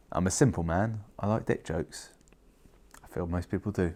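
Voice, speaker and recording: A man with an English accent speaks at a moderate pace. His very deep, low voice shows ordinary pitch variation. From England. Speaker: toy building video creator. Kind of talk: casual build commentary. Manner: casual, hesitant with repetitions.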